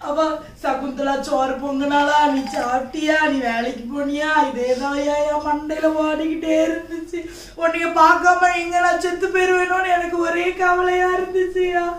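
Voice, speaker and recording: A woman's voice: high-pitched, level tone, normal speed, natural voice. A woman playing an elderly mother left in an old-age home, lamenting and pleading as she reunites with her son. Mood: tearful lament. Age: older. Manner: pleading, lamenting village speech. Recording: very echoey distant room with loud music.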